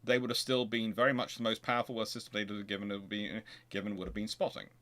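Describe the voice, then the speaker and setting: A man's voice: fairly low pitch, little pitch movement, quick pace, fairly bright tone. A man hosting an informal history question-and-answer livestream, talking in a discursive, rambling way and often restarting his sentences. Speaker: host, naval historian.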